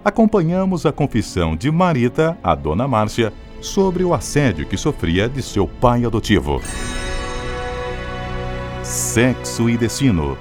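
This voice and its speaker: A man's voice: mid-range voice, sing-song, measured pace, darkish tone. A man with a Brazilian accent reading scripted, dramatic radio narration as an announcer. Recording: music bed behind the voice.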